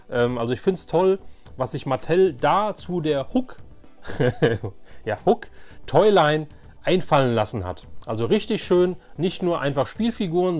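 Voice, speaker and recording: A man's voice: mid-range voice, darkish tone. Chatty man hosting a collector's vlog. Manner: chatty, enthusiastic. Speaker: YouTube toy collector, host. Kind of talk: casual chat, showing collection to viewers.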